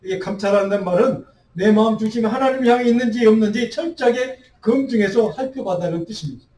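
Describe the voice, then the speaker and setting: A man's voice: high voice, quick pace, dark tone, slight background noise. A male pastor preaching a midweek Bible study sermon, earnest and full of rhetorical questions. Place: church sanctuary. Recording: roomy echo, voice heard from a distance.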